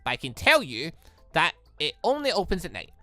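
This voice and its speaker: A man's voice: on the high side, wildly swooping pitch, a little fast, pushed and bright, soft background music, full character voice. A man voicing a playful, cheeky young female student tour guide in a visual novel. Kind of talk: visual novel dialogue read aloud.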